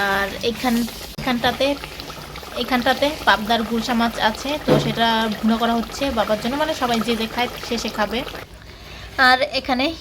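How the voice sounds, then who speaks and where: A young woman chatting her way through a home vlog in a casual style, now and then hushing her voice to a near-whisper. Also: fairly high pitch. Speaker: vlogger. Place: family home. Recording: noisy home video with background noise.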